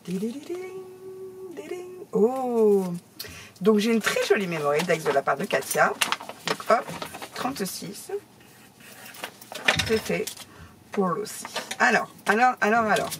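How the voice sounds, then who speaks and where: A middle-aged woman chatting casually to her viewers as she opens fan mail, talkative and quick to laugh. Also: medium pitch, animated, noisy background. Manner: chatty, laughs often, exclaims. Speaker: craft YouTuber opening fan mail. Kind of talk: casual chat to camera.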